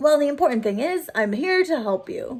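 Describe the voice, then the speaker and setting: In a put-on character voice, a woman speaks raspy and high-pitched at a moderate pace. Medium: read story. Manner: cheerful, a bit muddled.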